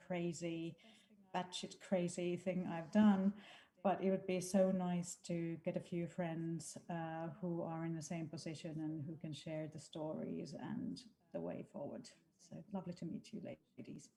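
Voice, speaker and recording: A woman from Finland introducing herself frankly on a video call. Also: on the low side. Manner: candid, lively and frank. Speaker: participant.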